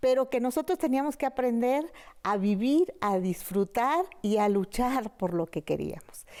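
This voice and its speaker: The voice has a dark, mellow tone and very wide pitch swings, delivered at a fairly slow pace. Loudness stays very even throughout a very clean recording with a silent background. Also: woman, high pitch for a woman. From Mexico, Chiapas (San Cristóbal de las Casas). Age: 60s. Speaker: retired supreme court justice. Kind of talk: interview, life story. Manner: hesitant, many fillers.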